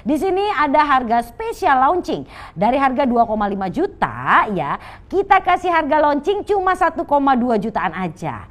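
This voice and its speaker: A woman with an Indonesian accent and a distinctly high voice delivers an infomercial pitch. She presents like a home shopping host, pressing viewers to order and speaking to them directly. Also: very animated, moderate pace. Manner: persuasive, urging, addresses viewers repeatedly.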